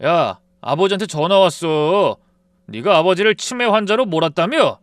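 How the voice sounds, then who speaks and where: A curt, annoyed husband , as a male narrator does him, brushing off his wife in a storybook drama. He talks louder and somewhat higher than the narrator's usual voice. The tone is smooth and clear, recorded dry. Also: expressive, fairly quick, dry recording. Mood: irritated. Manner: curt, loud. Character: dismissive, irritable husband siding with his father.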